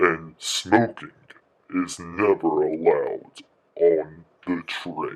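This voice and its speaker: In a put-on character voice, a man speaks with a very deep, low pitch. His pace is very slow, broken by long, frequent pauses. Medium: audio drama. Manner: theatrical, courteous, showman-like.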